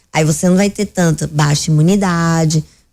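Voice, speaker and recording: A woman with a Minas Gerais accent speaks slowly-ish, at a fairly slow pace, her fairly low voice dark and mellow in tone, her intonation fairly even. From central Brazil, Goiânia. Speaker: physician. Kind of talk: radio interview.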